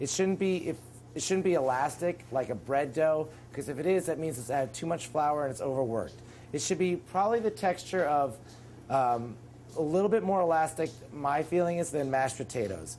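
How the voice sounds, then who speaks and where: A man's lively, up-and-down delivery at a fairly quick clip, over light background noise. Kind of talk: tutorial. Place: kitchen. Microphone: lapel.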